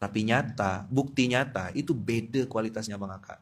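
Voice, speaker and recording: A man with a Pontianak Malay accent preaching a dawn sermon, teasing his listeners and swinging between loud outbursts and quiet asides. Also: lowish voice, moderate pace. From Indonesia. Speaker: Islamic preacher. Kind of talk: dawn study-circle sermon.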